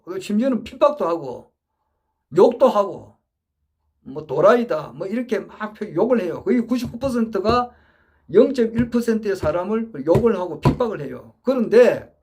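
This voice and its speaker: A man's voice: sits high, a little mellow. A man giving an earnest monologue lecture, emphatic and repetitive, often restarting his phrases as he builds his point. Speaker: political supporter giving a talk.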